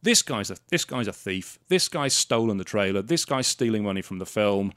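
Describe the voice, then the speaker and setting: A man's voice: lowish voice, lively intonation, normal speed, fairly bright tone, no echo, clean studio sound. A man from South Wales hosting a podcast, telling a story in an indignant, sarcastic way. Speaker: podcast host. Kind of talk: casual storytelling monologue.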